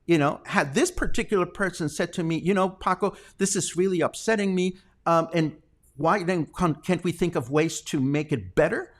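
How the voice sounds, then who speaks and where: A man's voice: sits high, moderate pace. A man from Mexico hosting a daily live news stream, talking earnestly and defensively, with fillers and restarts.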